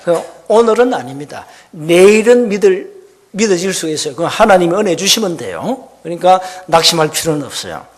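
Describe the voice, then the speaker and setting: A male pastor preaching a sermon in church, swinging between loud emphatic declarations and soft, repetitive asides. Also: high voice, sing-song, a little fast. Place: church sanctuary.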